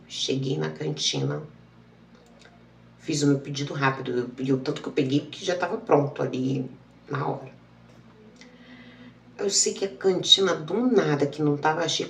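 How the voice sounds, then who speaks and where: Woman retelling a hospital story, gravelly voice, roomy echo, mic a bit far. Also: low voice, slight background noise. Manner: emotional, repetitive retelling with quoted dialogue. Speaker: channel host. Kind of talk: personal storytelling.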